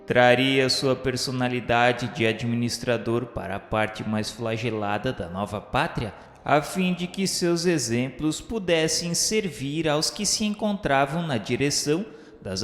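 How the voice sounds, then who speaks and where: A man's voice: mid-range voice, a bit bright. Echoey Brazilian male narrator, solemn delivery. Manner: solemn, formal, measured. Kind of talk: scripted narration of a religious radio novela. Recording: echoey reverberant voice over music. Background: music bed.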